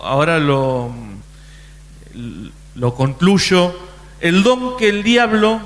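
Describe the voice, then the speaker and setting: A man's voice: high-pitched, a bit bright, long reverb tail. A man preaching a sermon in a conversational way, often restarting his sentences. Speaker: pastor.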